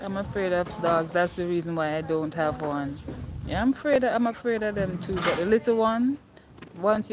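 A woman with ordinary pitch variation, amid noticeable background noise. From Jamaica. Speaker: holiday rental host. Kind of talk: casual chat. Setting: restaurant, live stream. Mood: relaxed, friendly. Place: street. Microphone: phone near.

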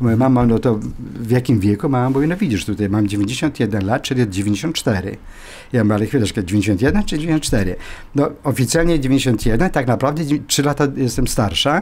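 Very fast and lively in intonation, a man speaks with very even loudness throughout. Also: medium pitch for a man. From Poland, Lower Silesia and Warsaw; Poland. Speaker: retired banker; interview guest. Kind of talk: interview. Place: studio. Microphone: studio mic.

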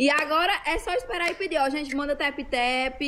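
Over light background noise, a woman speaks in a raised, projected voice at a high pitch, with ordinary pitch variation at a moderate pace. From Ceará, Brazil. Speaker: streamer. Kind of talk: casual chat. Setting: livestream. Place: home room. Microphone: phone near.

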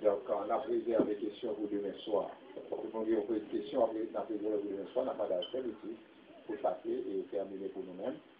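A man talks at a moderate pace, with audible room echo and noticeable background noise around him. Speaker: church speaker. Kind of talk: sermon.

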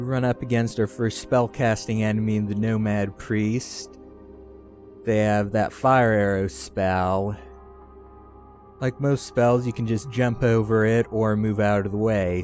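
A man at a fairly low pitch with ordinary pitch variation and a fairly slow pace, music in the background, the sound dry with no echo. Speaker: let's play commentator. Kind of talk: gameplay commentary.

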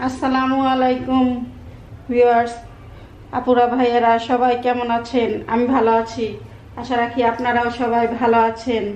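A woman speaks in a high pitch with monotone, flat intonation. Audible room echo surrounds her voice. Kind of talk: cooking tutorial. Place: home room. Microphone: phone near.

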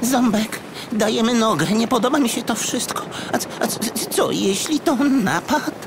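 A shaky, fairly high put-on character voice at a moderate pace over loud background noise. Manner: fearful, urgent.

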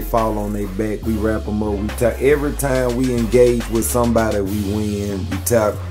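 A man talking at a fairly quick pace over background music. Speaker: football commentator. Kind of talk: casual sports breakdown commentary. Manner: animated, emphatic.

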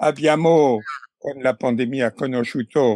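Over a quiet background, a man's voice has ordinary pitch variation and sounds dry, with no echo. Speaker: guest. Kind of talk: interview answer. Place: home room. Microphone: video call.

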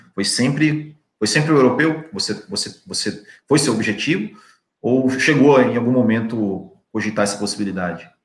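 A man with a medium-pitched voice is heard with audible room echo. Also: moderate pace. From Paraná, Brazil. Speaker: YouTube interviewer. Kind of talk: interview, casual chat. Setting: recorded interview. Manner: halting, repeats words. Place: home room. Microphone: video call.

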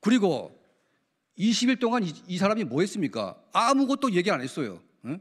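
Against a quiet background, a man speaks at a moderate pace and a high pitch. His pitch swings very widely. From North Korea. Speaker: activist. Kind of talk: press conference statement. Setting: press conference room. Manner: animated. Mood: angry, denouncing. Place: hall. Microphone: podium.

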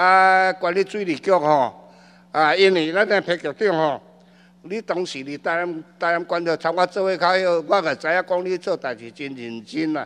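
With a Taiwanese accent, a man speaks at a high pitch with ordinary pitch variation. His pace is moderate and the background quiet. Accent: Taiwanese Hokkien-accented Mandarin. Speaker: city councilor. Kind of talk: council questioning. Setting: council chamber.

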